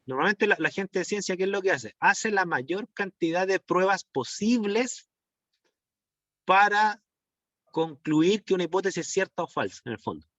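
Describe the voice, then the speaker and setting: A male teacher, his voice a touch higher than most men's, explains ideas to his students over a video call. He stumbles and circles back often, asking whether they follow. The audio sounds dry and dull, like a cheap online stream. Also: animated, moderate pace, a bit bright, no room sound. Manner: rambling, many restarts and fillers, rhetorical checks. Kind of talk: online class lecture.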